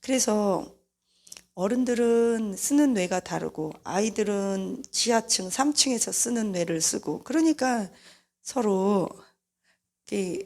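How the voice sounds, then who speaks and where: Woman preacher, middle-aged, lively, gravelly, acts out family voices. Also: mid-range voice. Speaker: mission leader and preacher. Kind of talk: sermon-style talk on parenting.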